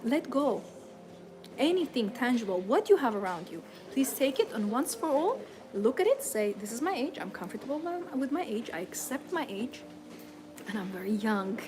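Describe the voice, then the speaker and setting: A woman's voice: fairly high pitch, big pitch swings, moderate pace, over music. A woman coaching her audience in a motivational seminar, earnest and repetitive, with non-native English phrasing. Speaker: femininity and lifestyle coach. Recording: audible background noise.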